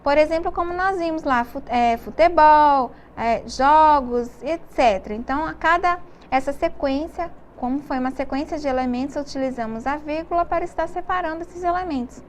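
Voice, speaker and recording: A woman's voice: high voice, a little hiss or hum. A Brazilian woman teaching a televised grammar lesson, explaining step by step and often checking that students follow. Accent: Brazilian Portuguese. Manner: explains slowly, with many check-in questions.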